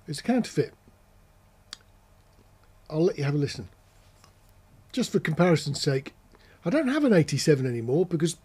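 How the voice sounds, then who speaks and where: A man presents in a casual, conversational style. His voice sits a little high for a man, with a soft, mellow tone and a noticeably husky grain. He explains things plainly and step by step. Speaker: presenter of an audio gear channel.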